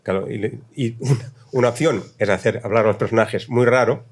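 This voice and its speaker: Halting man in a panel discussion, middling pitch. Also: slightly rough. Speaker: scriptwriter on a panel.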